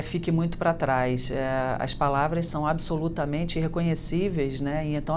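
A middle-aged woman interviewing a guest over a video call, asking long questions and reacting with lively exclamations. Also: low-pitched, noisy background. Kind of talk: TV interview hosting. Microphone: video call webcam.

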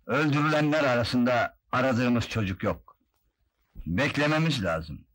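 An actor playing an old, cautious court astrologer, measured and grave, in an old historical film. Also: male voice, medium pitch, lively intonation, fairly bright tone, poor audio.

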